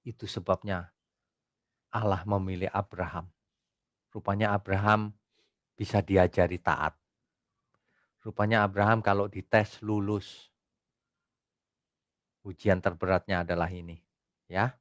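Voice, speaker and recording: A male pastor teaching an online Bible study, reading scripture slowly and asking rhetorical questions. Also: lowish voice, fairly bright tone, dry recording, clean studio sound. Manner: reads scripture aloud slowly.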